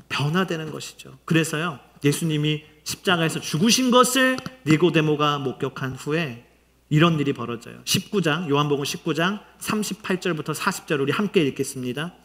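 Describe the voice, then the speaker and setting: A man's voice: fairly high pitch, lively intonation, moderate pace, fairly bright tone. A male pastor preaching a sermon, telling the story with animation and acting out the quoted lines. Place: large conference hall. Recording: long hall reverb.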